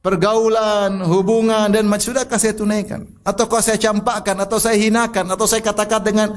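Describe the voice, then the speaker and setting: Middle-aged man, high voice, preacher; sermon full of rhetorical questions and Arabic recitation. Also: little pitch movement, a little fast. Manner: asks the listeners rhetorical questions; weaves Arabic scripture recitation into speech.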